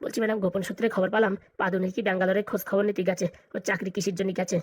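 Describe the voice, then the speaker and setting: A performer voicing a fawning, flattering lawyer sidekick in a comedy cartoon, eager and colloquial. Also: medium pitch, rapid-fire, natural voice. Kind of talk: exaggerated cartoon comedy dialogue.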